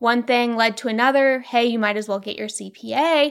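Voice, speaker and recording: On a very clean recording with a silent background, a woman with a fairly high pitch talks at a fairly quick pace with ordinary pitch variation. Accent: American. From Kansas City, US Midwest. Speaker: CPA and marketing entrepreneur. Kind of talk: interview.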